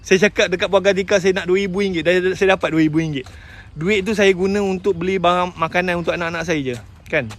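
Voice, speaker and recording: A man's voice: high-pitched, steady tone, quick pace. A man with a Malaysian Malay accent giving an emotional motivational talk about his own struggles, often calling out to his listeners and mixing in English words. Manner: emotional storytelling, addresses listeners as tuan-tuan, mixes in English words. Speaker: sales agent sharing his story.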